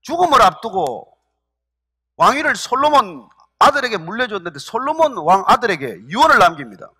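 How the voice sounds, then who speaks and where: Male pastor, middle-aged, high voice, expressive sermon storyteller. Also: a little fast, husky, dry recording, studio quality. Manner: animated storytelling, acting out quoted speech.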